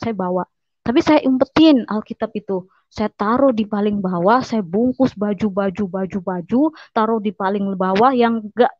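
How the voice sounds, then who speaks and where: A woman's voice: fairly high pitch, a little mellow, no room sound, dull audio. Earnest woman telling her testimony. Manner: earnest storytelling with halting repeats. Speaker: convert giving testimony. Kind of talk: personal testimony.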